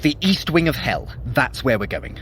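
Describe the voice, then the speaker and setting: A man's voice: medium pitch, sing-song, normal speed, a bit bright, in a large hall, a little hiss or hum. An actor playing a haughty, sly male trickster god in an audio drama, wry and theatrically imperious. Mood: brisk, scheming.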